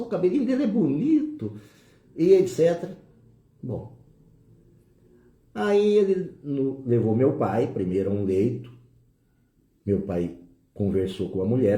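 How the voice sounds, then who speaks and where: A middle-aged man with a Brazilian Portuguese accent tells a personal story during a spiritist lecture. His voice is dark and mellow, and it rises and falls in lively swings as he acts out the dialogue. The sound carries a roomy echo. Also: mid-range voice.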